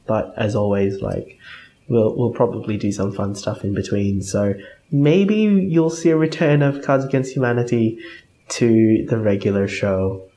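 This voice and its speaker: A man's voice: mid-range voice, a little mellow, poor audio. A man co-hosting a podcast in casual chat, hesitant and full of fillers as he steers the segment. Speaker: podcast co-host.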